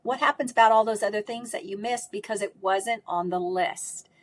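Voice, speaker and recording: A woman's voice: mid-range voice, moderate pace. Emphatic woman with a strong voice. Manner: emphatic, often ends points with "right?". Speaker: speech pathologist and course instructor. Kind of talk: conversational interview answers.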